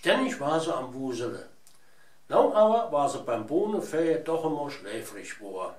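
Amid audible room echo, a man speaks with very wide pitch swings. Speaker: dialect author. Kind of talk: dialect word explanation. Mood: calm, warm storytelling. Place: home room. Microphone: camera far.

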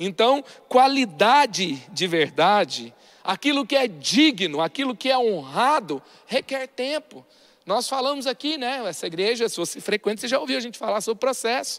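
A man speaks at an extremely high pitch with very wide pitch swings. His tone is animated and his pace moderate. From Brazil. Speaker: youth church preacher. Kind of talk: preacher sermon. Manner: fervent, exhortative preaching with rhetorical questions; animated, rising emphatic delivery. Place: church. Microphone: handheld.

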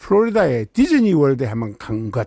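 A dark, mellow tone moves through very wide pitch swings, with a dry sound free of echo and a quiet background. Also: man. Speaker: author, retired professor and former minister; retired professor, former minister. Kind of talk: book launch speech. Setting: event hall with audience. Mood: warm, animated storytelling. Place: meeting room. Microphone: handheld.

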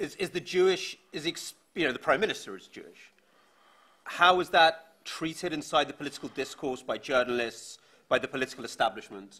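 A man's fairly high voice carries audible vocal fry. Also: lively intonation, moderate pace. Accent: British. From London. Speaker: writer and panel moderator; panel moderator. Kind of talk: panel moderation. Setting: stage with audience. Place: hall. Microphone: podium.

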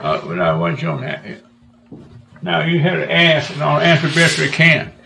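A man speaks with an American accent at a moderate pace. Noticeable background noise can be heard. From Harkers Island, North Carolina. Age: 80s+. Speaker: retired Coast Guard and lighthouse keeper. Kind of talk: oral history interview answer.

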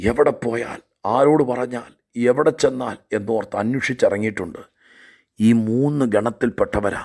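In a very clean recording with a silent background, a man speaks in a plain, everyday voice, medium in pitch, with fairly even intonation. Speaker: pastor. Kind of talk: sermon. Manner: measured, with pauses.

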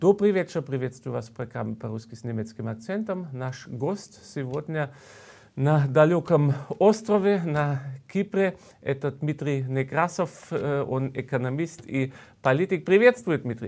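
A man with a German accent speaks at a fairly slow pace and fairly high pitch. His intonation is lively, with big swings in loudness. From Germany. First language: German (speaking Russian). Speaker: TV interviewer. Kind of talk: interview. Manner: hesitant with filler sounds. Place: studio. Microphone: lapel.

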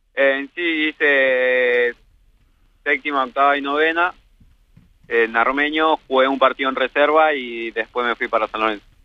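Using a fairly high pitch and fairly even intonation, a man talks at a fairly slow pace with long, frequent pauses. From Argentina, Buenos Aires area. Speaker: footballer. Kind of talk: phone interview. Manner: halting.

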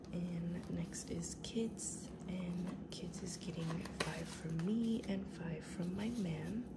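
A woman talks at a very slow pace. Loud background noise fills the recording. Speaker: budgeting content creator. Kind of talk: casual talk to camera.

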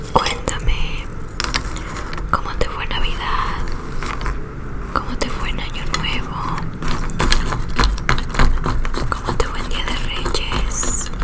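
A whisper delivered at a very slow pace. Long pauses come often. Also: woman. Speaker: mukbang-style creator. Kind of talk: casual vlog chat. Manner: soft close-mic ASMR murmur. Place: home room. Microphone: studio mic.

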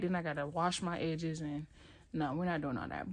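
A woman is talking at a fairly quick pace. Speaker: vlogger. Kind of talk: casual vlog chat. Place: home room. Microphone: phone near.

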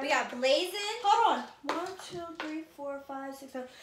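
A woman's raised, projected voice, with audible room echo and light background noise. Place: home room. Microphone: camera far.

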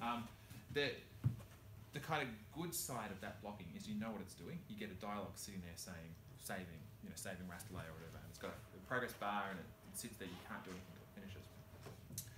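There is noticeable background noise behind the man speaking. He talks at a very fast pace with ordinary pitch variation. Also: fairly low pitch for a man. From Australia. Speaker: software developer. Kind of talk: conference talk. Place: classroom. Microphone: camera far.

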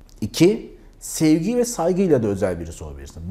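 Speaking at a fairly quick pace, a man with a dark, mellow tone and a somewhat breathy voice makes very wide pitch swings. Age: 40. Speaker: online educator. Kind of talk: vlog-style talk to camera. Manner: casual conversational. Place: home room. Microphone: lapel.

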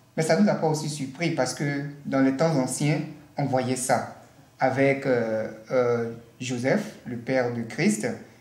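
The pace is very slow. Audible room echo follows this man's speech. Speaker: ministry presenter. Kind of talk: religious talk show. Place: studio.

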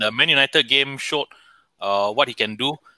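A Singaporean accent at a moderate pace, with ordinary pitch variation, in a dry sound with no echo against a quiet background. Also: man. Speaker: football fan panelist. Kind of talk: casual panel discussion. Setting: video call. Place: home room. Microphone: headset.

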